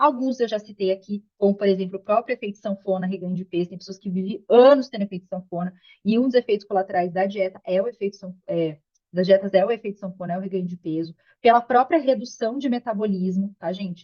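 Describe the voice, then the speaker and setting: A woman speaks at a very fast pace with a medium pitch and ordinary pitch variation. Her loudness swings widely. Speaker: nutritionist. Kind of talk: online class talk.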